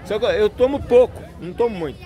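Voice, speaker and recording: An older man chats to his camera at a busy outdoor street market. His voice sits high for a man, and he rambles in a cheery way, laughing now and then. A market crowd is clearly heard behind him. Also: fast. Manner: cheerful, chatty, laughs often. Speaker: vlogger. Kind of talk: casual vlog to camera.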